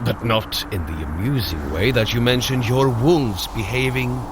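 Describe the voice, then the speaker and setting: A man's voice: medium pitch, normal speed, background noise, natural voice. An actor playing a hearty, good-natured warrior god in an audio drama, effusive and archaic in his phrasing. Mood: candid. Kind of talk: scripted audio drama acting.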